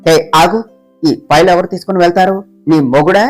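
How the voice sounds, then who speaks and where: A man's voice: sits high, steady tone, brisk, soft background music, voice pushed down, close to an everyday voice. A woman voicing a stern, short-tempered young male boss who talks in curt, scolding lines. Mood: irritated.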